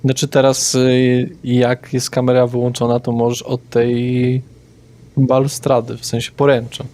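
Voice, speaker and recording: Male game master, mid-pitched, casual tabletop narration. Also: monotone, a little slow, warm tone.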